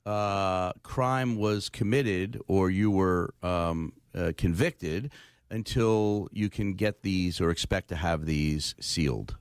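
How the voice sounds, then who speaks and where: A low-pitched man hosting a call-in radio show. His delivery turns brisk and announcer-like when he reads out the number, and the studio sound is close and dry. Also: clean tone, dry recording.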